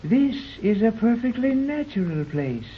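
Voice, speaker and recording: A cold, superior master of a secret scientific island, talking down to strangers in a slow, measured way. His voice sits at a middling pitch. It comes through a dull, lo-fi 1930s radio recording with a faint hiss. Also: sing-song. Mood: haughty. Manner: slow, pompous and condescending. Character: haughty superior man of a hidden scientific colony. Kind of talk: 1930s radio drama acting.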